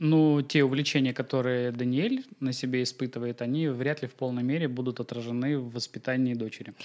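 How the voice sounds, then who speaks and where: The speech moves at a fairly quick pace with hardly any pauses. Its intonation is monotone and flat. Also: man, medium pitch for a man. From Komi Republic, northern Russia. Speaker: extreme sports business owner and father. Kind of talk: casual interview. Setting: outdoor summer veranda at a wakeboard station.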